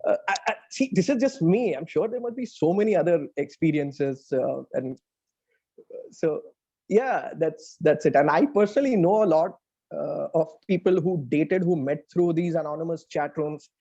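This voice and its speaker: A man with an Indian accent talking reflectively in a casual interview as a writer, often pausing to search for words. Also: on the high side, expressive, dark tone, slightly rough. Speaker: interviewed audio playwright. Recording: dull, band-limited audio.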